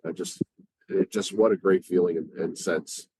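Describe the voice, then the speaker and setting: An American man, middle-aged or older, chatting casually as an amateur actor, with a husky voice. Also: low-pitched, fairly even intonation, normal speed, mellow, dry recording, rough recording. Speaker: community theater actor and podcast guest. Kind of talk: casual chat.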